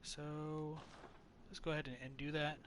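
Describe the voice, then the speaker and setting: A man's voice: on the high side, flat delivery, moderate pace, background noise. A man hosting a game playthrough, musing over lore in a hesitant, thoughtful way, often restarting his sentences. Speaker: let's play host.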